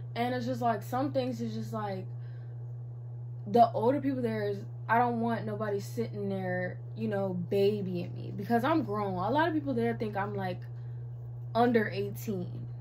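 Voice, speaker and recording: An animated woman at a moderate pace, with audible room echo and noticeable background noise. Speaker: vlogger. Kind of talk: casual chat.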